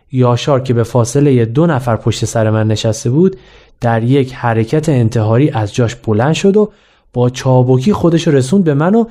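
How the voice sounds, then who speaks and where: A man's voice: medium pitch, mellow. A man narrating a humorous school memoir in a wry, self-mocking way. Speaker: storyteller.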